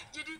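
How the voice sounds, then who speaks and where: A woman, a fitness instructor, chatting casually late at night and telling animated stories full of sighs of dismay.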